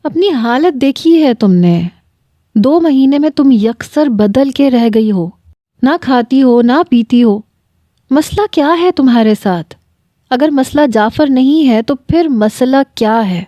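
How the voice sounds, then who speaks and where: A woman's voice: a little high, warm tone, no echo, lightly acted. A woman voicing a demanding, suspicious young husband who scolds his wife in a narrated story. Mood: angry, demanding.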